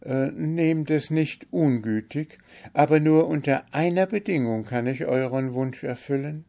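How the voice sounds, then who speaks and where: A sorrowful owl, really a young princess under a spell, speaks in a lifted, plaintive voice, as a male narrator puts her on. She sounds mournful and unhurried. It is a storybook reading. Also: on the high side, gravelly, mellow, pitched above the performer's own voice. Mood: earnest pleading. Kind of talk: audiobook character voice.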